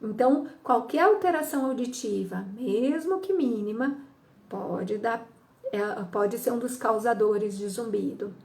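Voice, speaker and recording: A Brazilian hearing specialist, middle-aged and trained as both audiologist and psychologist, gives an explanatory health talk on ear ringing at a measured pace. Her slightly high, a little mellow voice adopts a teaching tone, with frequent "tá?" check-ins and acted-out patient quotes.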